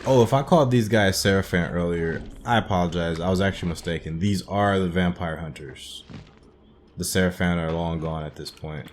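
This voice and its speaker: A man's voice: low-pitched, a little fast, faint music behind. A man hosting a gaming playthrough, commenting casually and informally as he thinks aloud and explains things. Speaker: gaming video host.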